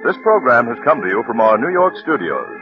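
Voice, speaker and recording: Formal male announcer reading credits over clear music; muffled vintage radio sound. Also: medium pitch, very animated, brisk. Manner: formal, declamatory. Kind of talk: scripted announcement. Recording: dull 1940s radio broadcast with music.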